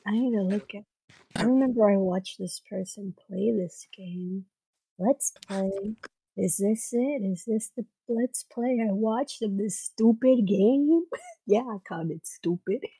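Husky young woman muttering and laughing. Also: mid-range voice, measured pace, dark tone, low-quality recording. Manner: laughs a lot, mutters to herself. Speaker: podcast co-host. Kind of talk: casual chat.

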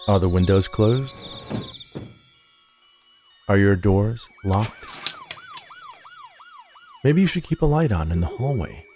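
A man narrating scripted stories as a podcast host, with a measured, dramatic delivery and deliberate pauses. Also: on the low side.

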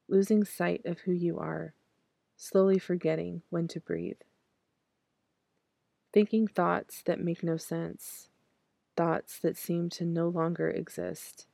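A woman in her thirties, raspy from clearing her throat, reading her own poems slowly and then talking about them hesitantly with many fillers and restarts. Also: on the low side, flat delivery, warm tone, dry recording. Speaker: podcast host reciting her poems. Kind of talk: poetry reading and casual reflection.

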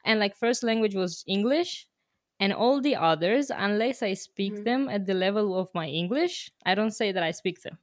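A woman's voice: mid-range voice, lively intonation, normal speed, dry recording, studio quality. A woman guest in a casual interview, talking in a chatty, loose way with lots of fillers and frequent laughter. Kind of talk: casual conversation.

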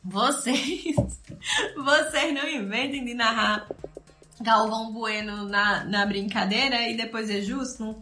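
Brazilian woman teaching on a live, bright forceful voice, echoey room w/ faint music, lots of playful voice swings. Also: mid-range voice. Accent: Brazilian Portuguese. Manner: animated, acts out playful narration with loud swings. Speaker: child development educator. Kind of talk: live-stream teaching talk.

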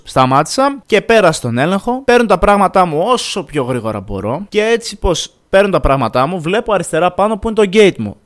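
Animated young Greek man telling a story. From Greece. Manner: animated, acts out quotes with jumps in pitch. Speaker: podcast host. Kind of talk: casual storytelling.

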